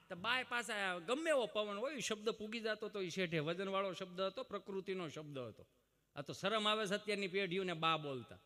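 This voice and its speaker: A man telling a folksy comedy monologue on stage, preaching to the audience and breaking into mock shouts and sung lines. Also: high-pitched. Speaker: comic storyteller. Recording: long hall reverb.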